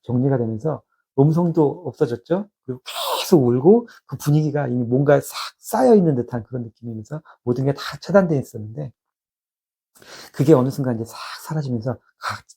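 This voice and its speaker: A man in his fifties giving a personal spiritual testimony, reflective and halting with many restarts. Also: mid-range voice, animated, vocal fry, warm tone, slightly rough.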